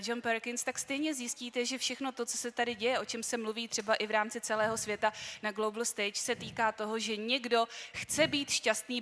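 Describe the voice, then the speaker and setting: A woman's voice: on the high side, fairly bright tone. A woman from the Czech Republic, formally welcoming the audience as stage host at an event. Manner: measured, welcoming. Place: large hall on a stage. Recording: long hall reverb.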